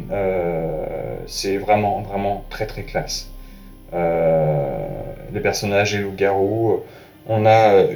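A man hosting a casual spoken review, talking straight to the listener in a relaxed, halting way with lots of fillers and restarts. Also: lowish voice. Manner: hesitant, many fillers and restarts; informal, talks directly to the listener. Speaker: host reviewing a film's box art. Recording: echoey room with faint music.

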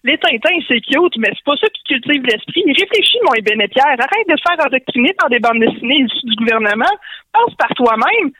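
A woman voicing a mocking young male bully who jeers loudly, with a Québécois French accent. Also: high voice, animated, a little fast, no room sound, full character voice. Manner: jeering, loud. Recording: tinny phone line.

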